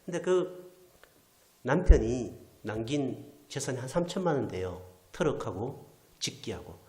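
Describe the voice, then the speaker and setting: A male pastor with a delivers an animated storytelling sermon, his pitch swinging widely as he acts out the people he quotes. At times he sinks almost to a whisper. The sound rings in an echoey church hall. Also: unhurried. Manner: animated storyteller, acting out quoted voices, drops to near whisper. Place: church sanctuary.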